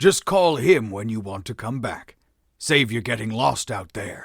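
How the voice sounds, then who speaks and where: With a put-on character voice at a medium pitch, a man talks at a moderate pace on a very clean recording with a silent background. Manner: friendly.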